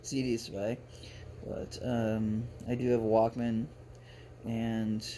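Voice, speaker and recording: A man's voice: fairly low pitch, a little mellow. A man vlogging casually, chatting and reading aloud in a rambling, self-interrupting way. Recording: clear background noise, ambient sound.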